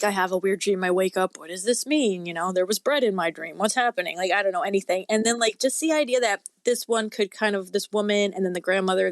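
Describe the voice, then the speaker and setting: A woman's voice: medium pitch, dry recording, clean studio sound. A woman speaking as an author guest in a casual interview, chatty and rambling with self-deprecating humor.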